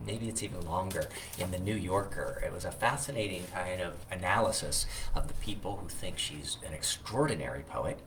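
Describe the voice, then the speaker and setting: A man with a low-pitched voice talks in the reflective, unhurried-sounding manner of a minister sharing poetry. He pauses and hesitates as he goes. The mic is some distance away, with clear noise behind him. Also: a bit bright. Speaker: Unitarian Universalist minister. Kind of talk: informal video talk with poetry reading.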